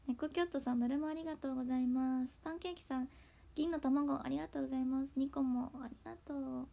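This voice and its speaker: Young hakata-dialect girl livestreaming at home on her tablet, high voice, gravelly edges, chatty and keeps going whispery. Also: fairly even intonation, fast. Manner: chatty, drops into soft whispery asides. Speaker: idol livestream host. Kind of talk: casual livestream chat thanking viewers for gifts. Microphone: tablet built-in mic.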